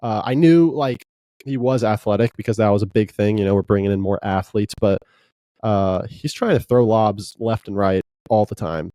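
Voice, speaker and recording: A man hosting a casual sports podcast, relaxed and rambling, with lots of fillers. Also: fairly low pitch, normal speed, dry recording. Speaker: podcast host.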